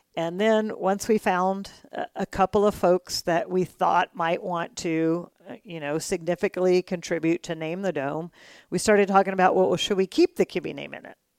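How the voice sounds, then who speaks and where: A woman with an American accent and a plain, everyday voice, medium pitch, fairly even intonation, moderate pace and big swings in loudness, in a dry, close sound with no echo on a very clean recording with a silent background. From Texas. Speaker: university athletic director. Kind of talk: interview.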